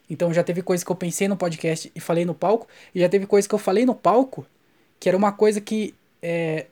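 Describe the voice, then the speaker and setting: A man's voice: high-pitched, darkish tone. A Brazilian man, a stand-up comedian, hosts a solo podcast, talking casually and thinking aloud with frequent restarts. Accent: Brazilian Portuguese.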